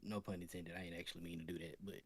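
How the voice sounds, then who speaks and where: Casting: male panelist, deep voice, informal conversational delivery. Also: flat delivery, rapid-fire. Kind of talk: casual chat.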